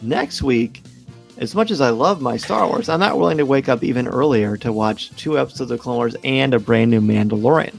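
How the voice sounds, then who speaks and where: A man's voice: mid-range voice, brisk, creaky, faint music behind. A middle-aged man hosting a casual fan discussion in an enthusiastic way. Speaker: podcast host.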